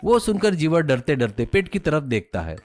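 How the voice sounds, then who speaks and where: A man's voice: fairly high pitch, sing-song, moderate pace, darkish tone, soft background music. A man with an Indian accent narrating a scripted moral story for a cartoon.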